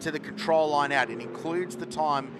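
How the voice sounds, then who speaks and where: A man's voice: a little high, moderate pace. A man giving live race commentary as a motorsport commentator. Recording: loud trackside car and engine noise. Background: race cars and outdoor ambience.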